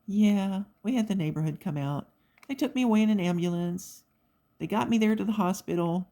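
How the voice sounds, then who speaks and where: A middle-aged woman with a medium-pitched voice hosts a craft video and talks a little fast as she works on a diamond painting. She chats casually and tells animated stories, doing voices for the people she quotes.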